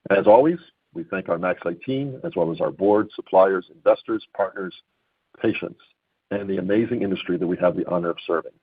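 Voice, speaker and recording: A low, husky-voiced man reads prepared executive remarks at a brisk clip. The sound is narrow, like a telephone conference call. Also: no echo. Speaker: company chief executive. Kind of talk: scripted corporate closing remarks.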